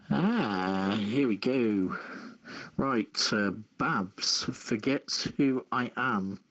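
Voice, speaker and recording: A man hosting a casual talk show, reading news and chatting in a halting, measured way. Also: fairly low pitch, fairly bright tone, low-quality recording. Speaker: show host.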